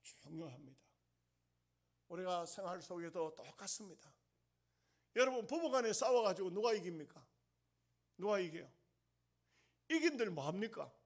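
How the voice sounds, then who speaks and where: A male pastor preaching a sermon, emphatic and repetitive, asking the congregation questions and swinging between loud bursts and soft asides. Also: high-pitched, lively intonation, moderate pace, pauses often. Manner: emphatic, repeats lines, asks the congregation questions.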